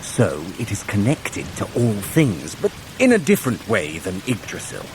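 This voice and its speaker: A vain, animated trickster god. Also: male voice, lowish voice, moderate pace, background noise. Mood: smug. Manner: self-satisfied, arch, theatrical. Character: vain, clever male trickster god, teasing and theatrical. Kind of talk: scripted audio drama acting.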